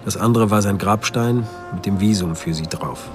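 An actor playing a sober, reflective friend who narrates events in a first-person radio drama. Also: male voice, fairly low pitch, normal speed, over music, lightly acted. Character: lonely man's friend recounting events soberly.

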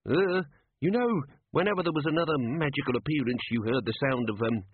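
A man voicing a small, nervous male gnome who talks high and eagerly, desperate to please, in a storybook reading. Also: brisk, slight background noise, natural voice. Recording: tinny, phone-like narrow sound.

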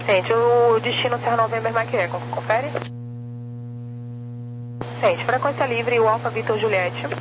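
A woman's voice: fairly high pitch, a little slow, pauses often, lo-fi sound. A Brazilian woman working as an air traffic controller, giving clipped procedural instructions over the radio.

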